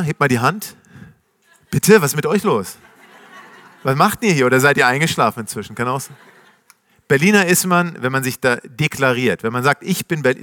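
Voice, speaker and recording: A middle-aged man telling his founder story to a live audience in a casual, slangy, animated way, acting out the voices of the people he quotes. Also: on the high side, dry recording, clean studio sound. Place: stage before a live audience.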